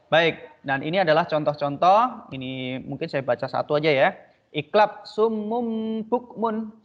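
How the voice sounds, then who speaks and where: A male teacher giving an online lesson, patiently explaining and slowly repeating Arabic letter sounds for students. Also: on the high side. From Indonesia. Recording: dull lo-fi recording.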